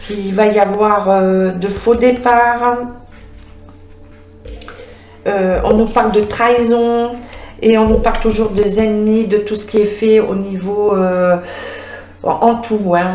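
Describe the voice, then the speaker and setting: Female medium, mid-pitched voice, halting card reading full of fillers, recorded in a roomy space. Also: darkish tone. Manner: halting, many filler sounds, talks to the cards. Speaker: medium reading oracle cards. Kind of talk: spoken card reading with visions.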